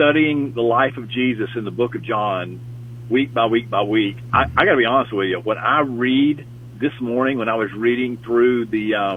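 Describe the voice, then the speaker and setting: Here is a man with an ordinary speaking voice. His intonation is fairly even and his pace is moderate. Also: medium pitch for a man. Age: 60s. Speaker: pastor. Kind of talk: casual chat.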